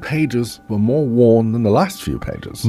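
Background music accompanies a man who talks at a medium speed. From Cape Town, South Africa.

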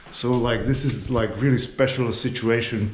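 In a space with audible room echo, a man speaks at a fairly slow pace. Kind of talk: casual vlog chat. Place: empty room. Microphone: camera far.

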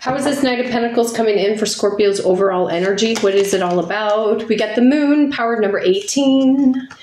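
A woman speaks at a fairly quick pace with hardly any pauses. Her pitch varies in an ordinary way, with noticeable background noise behind her. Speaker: tarot reader. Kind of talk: tarot reading video. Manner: casual, chatty.

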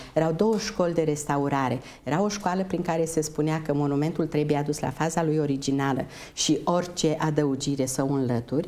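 This woman's voice sits very deep and low, with a dark, mellow tone and very even loudness. She talks at a fairly quick pace with ordinary pitch variation. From Romania, Botoșani county (Moldavia). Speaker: museum director. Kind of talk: interview. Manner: talkative.

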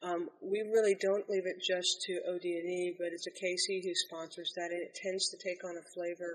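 Her pace is moderate and her intonation monotone and flat, yet this woman's loudness swings widely. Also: medium pitch for a woman, hardly any pauses. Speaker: intelligence agency executive. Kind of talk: interview conversation. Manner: hesitant with frequent fillers.

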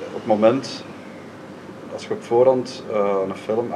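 With noticeable background noise, a man with a Flemish accent speaks at a moderate pace in a fairly low pitch, his intonation monotone and flat. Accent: Flemish Dutch. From Flanders, Belgium. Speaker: film director. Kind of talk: panel discussion. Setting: stage with audience. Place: hall.

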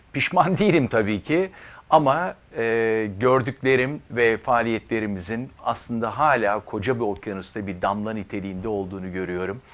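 Against a quiet background, a man talks at a moderate pace and medium pitch. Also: lively intonation. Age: 60s. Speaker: company founder, environmental entrepreneur. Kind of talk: TV interview. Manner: hesitant, frequent filler sounds.

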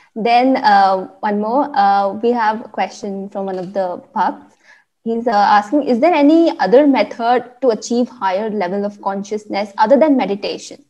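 Here a woman speaks in a dark, mellow tone. Her pitch varies in an ordinary way. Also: moderate pace. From India. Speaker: student event host and moderator; student event host, moderator. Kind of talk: formal event hosting and Q&A. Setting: online live-streamed event. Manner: formal. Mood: polite, respectful, smiling. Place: home room. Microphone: earbuds.

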